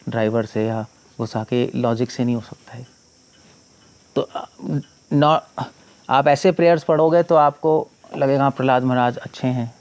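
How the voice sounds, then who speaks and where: A monk giving a scripture discourse, reciting verses slowly and then explaining them in conversational speech mixed with English phrases. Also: male voice, medium pitch, a little mellow.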